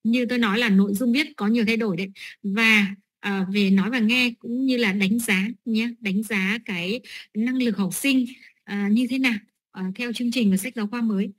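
A woman's voice: on the high side, steady tone, normal speed. A middle-aged woman training teachers, explaining lesson steps with many fillers and "right?" checks.

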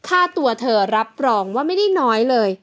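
A woman's voice: high-pitched, expressive, a little fast. A woman reading the part of a scheming older woman in an audio novel, coaxing and pleading.

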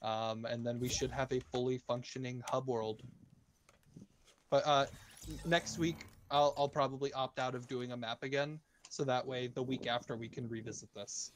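A man chatting casually with friends about a game map he built, his loudness rising and dropping unevenly as he stops and restarts, repeating words. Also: medium pitch, fairly even intonation, moderate pace, a little hiss or hum. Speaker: game map builder hosting a group voice chat. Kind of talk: casual gaming chat.

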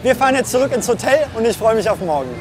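A man's voice: very high-pitched, animated, racing. A man in his thirties co-presenting a travel vlog outdoors in an upbeat, enthusiastic manner. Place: outdoors on city streets and at ruins. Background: background music.

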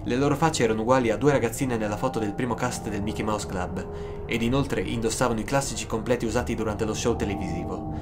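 A man with a fairly low voice tells a scripted horror story in the first person. He pauses dramatically for suspense, and music plays clearly behind him. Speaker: narrator.

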